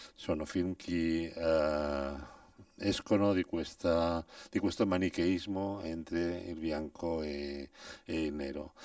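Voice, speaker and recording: A man with a non-native accent speaks very slowly in a very deep, low pitch, his intonation monotone and flat. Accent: non-native Italian. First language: Spanish or Catalan (speaking Italian). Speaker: film historian. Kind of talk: introductory talk. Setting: cinema hall with audience. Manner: halting, many fillers.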